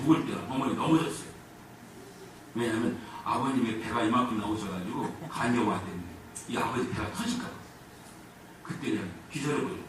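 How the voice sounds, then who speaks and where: A man preaching a sermon as pastor, with animated swings between loud and soft. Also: medium pitch. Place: church sanctuary. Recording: echoey church hall from far off, faint noise.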